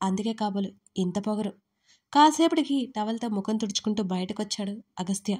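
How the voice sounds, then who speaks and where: A woman's somewhat breathy, fairly high voice on a very clean recording with a silent background. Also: ordinary pitch variation. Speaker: storyteller. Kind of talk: read romantic audio story. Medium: read story.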